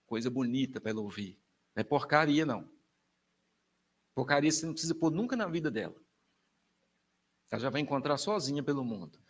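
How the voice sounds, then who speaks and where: A Brazilian man, a Catholic priest, giving an emphatic, colloquial lecture to families, his pitch and loudness swinging widely. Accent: Brazilian Portuguese.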